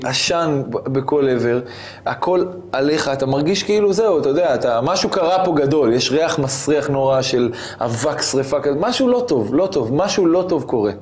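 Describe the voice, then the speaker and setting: A man with a somewhat high voice, telling a personal story as an interview guest. He is animated and acts out the moments he recounts.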